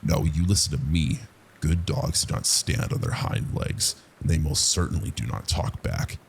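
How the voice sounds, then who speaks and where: A man voicing a cruel, domineering middle-aged aunt in a horror story, menacing and commanding, with a gravelly voice. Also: rumbling low, expressive, moderate pace, slight background noise, exaggerated voice. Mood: stern, commanding.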